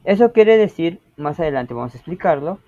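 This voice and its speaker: A man's voice: a little high, expressive, fairly quick, dark tone, no echo, dull audio. A man teaching an interactive language lesson, patiently explaining and often checking that students follow.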